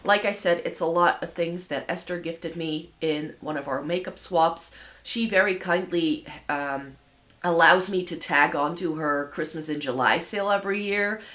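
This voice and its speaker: Slightly raspy woman chatting casually. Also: fairly low pitch, moderate pace, a bit bright. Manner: friendly, rambling, thinking aloud with fillers. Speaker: beauty vlogger hosting a giveaway. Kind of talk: casual chatty product showcase. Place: home office indoors.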